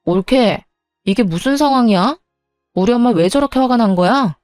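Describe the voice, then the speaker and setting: Woman playing a bratty sister-in-law, whiny indignant bickering, slightly high voice, dry sound. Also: lively intonation, moderate pace, a little mellow, no echo, faint music behind, close to an everyday voice. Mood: puzzled. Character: spoiled entitled sister-in-law, quick to bicker. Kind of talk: dramatized story reading.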